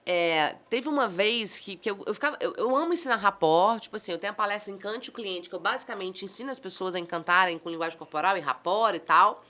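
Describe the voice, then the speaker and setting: A woman with a Brazilian accent, a communication trainer chatting as a podcast guest, animated and exclamatory, acting out the dialogue in her stories. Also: mid-range voice, fast, hardly any pauses. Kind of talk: casual podcast conversation.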